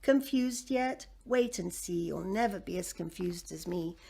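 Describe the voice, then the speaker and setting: A woman from Egypt reciting her own poem in a dramatic way, with wide swings in pitch and loudness. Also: a little slow, vocal fry, breathy edge.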